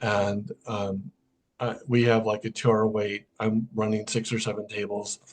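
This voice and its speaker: A man's voice: lowish voice, little pitch movement, unhurried. A middle-aged man, a podcast guest, casually telling a personal story and recounting what was said in quoted dialogue. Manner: conversational, recounts events through quoted dialogue. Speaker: podcast guest, sound healer.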